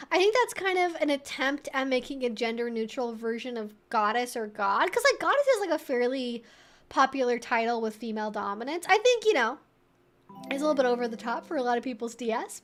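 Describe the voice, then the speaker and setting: A woman's voice: sits high, expressive, a little fast. A woman hosting a livestream, talking casually and wryly as she reacts aloud to chat messages. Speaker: livestream host answering viewer chat.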